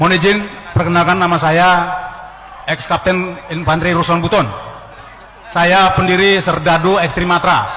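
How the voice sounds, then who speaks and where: A man with a high-pitched voice speaks in a flat monotone at very even loudness, with long, frequent pauses. The room echo is audible and background noise is noticeable. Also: moderate pace. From Ternate, North Maluku. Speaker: former army officer. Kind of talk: audience question at a public forum. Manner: hesitant with fillers.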